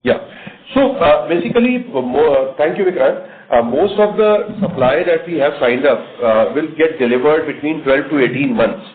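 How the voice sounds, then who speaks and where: A man with an Indian accent answering as a company executive on an earnings call, halting often and repeating words. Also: a little high, lively intonation. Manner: halting, frequent stalls and repeats. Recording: tinny phone line, faint noise.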